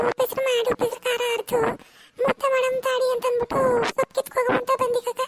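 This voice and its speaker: A cartoonish character voice moves at a moderate pace, with a dry, close sound and no echo. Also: woman. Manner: fast, rambling, boastful.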